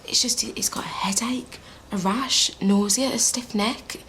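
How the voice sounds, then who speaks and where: An actress playing a concerned nurse with a British accent in a naturalistic TV drama. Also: female voice, on the high side, steady tone, a little slow, a bit bright, in a whisper. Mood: apologetic, hesitant. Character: mischievous but remorseful female nurse.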